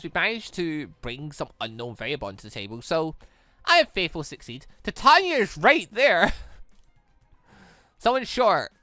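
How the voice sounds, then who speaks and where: A man hosting a let's play, reading visual novel dialogue aloud in an animated way and reacting excitedly as he goes. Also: a little high, no echo. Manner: animated, stumbles while reading and exclaims at the story.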